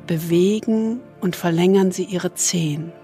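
Slow, soothing woman guiding meditation over music. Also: on the low side, dark tone. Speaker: host guiding a relaxation exercise. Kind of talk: guided body-scan meditation, soothing spa-like delivery.

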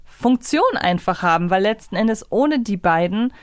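A woman's voice: medium pitch, animated, normal speed, no room sound, studio quality. A woman co-hosting a podcast, discussing a story in a conversational, analytical way. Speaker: podcast co-host.

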